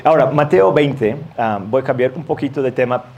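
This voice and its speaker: Un hombre que predica un sermón en tono conversacional, leyendo pasajes bíblicos y riendo un poco de vez en cuando. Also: male voice, medium pitch, a little fast, darkish tone, dull audio. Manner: conversational, reads scripture aloud with light laughs. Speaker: pastor. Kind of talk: sermon.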